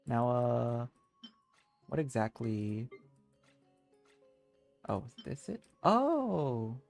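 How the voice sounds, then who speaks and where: A man streams a video game and talks to his viewers in an excitable, exclaiming way. His voice sits at a middle pitch as he comments and reads text aloud. Game music plays faintly behind him. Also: very slow, creaky. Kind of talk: live gameplay commentary, reading dialogue aloud.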